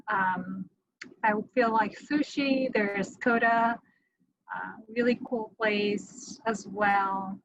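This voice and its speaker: A woman's voice: on the high side, fairly bright tone, no room sound, dull audio. A middle-aged woman from Romania, a mortgage lender answering interview questions in a friendly, matter-of-fact way.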